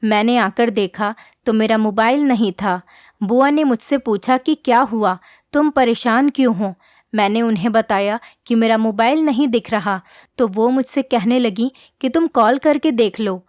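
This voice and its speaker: Woman narrating an emotional story, high voice. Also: a little slow, darkish tone, dry recording, clean studio sound. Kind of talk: first-person scripted storytelling.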